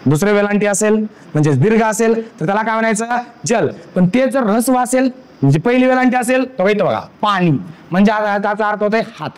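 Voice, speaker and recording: A man's voice: high voice, lively intonation, quick pace. A man teaching a grammar lesson for exam preparation, repeating points and often checking that students understand. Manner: repetitive, checks understanding with frequent questions.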